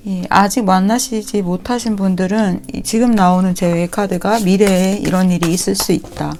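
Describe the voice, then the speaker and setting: A woman giving a tarot reading to viewers in a gentle, reassuring way, sometimes acting out what the people in the cards might say. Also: medium pitch, fairly even intonation, moderate pace. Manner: gentle, reassuring, acts out quoted lines. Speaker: tarot reader.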